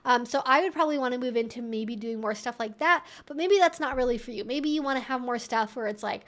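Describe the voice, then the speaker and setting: Female Q&A host, high voice, casual conversational delivery, rambling and informal. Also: quick pace, a bit bright. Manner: chatty and informal, rambling with frequent asides. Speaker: livestream host and relationship educator answering viewer questions.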